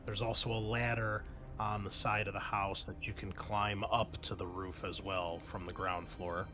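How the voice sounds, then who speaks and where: A man's voice: lowish voice, little pitch movement, moderate pace. A man talking casually as game master, explaining options to players in a hesitant, explanatory way. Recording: background music behind the voice.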